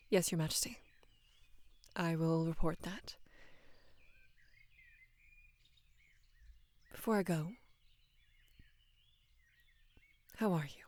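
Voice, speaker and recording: Woman acting a soft, low-voiced devoted lady knight. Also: no room sound, lightly acted. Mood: dutiful, hesitant. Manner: hesitant, halting, deferential, earnest. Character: devoted female knight, head guard, secretly in love with her queen. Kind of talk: intimate roleplay audio acting.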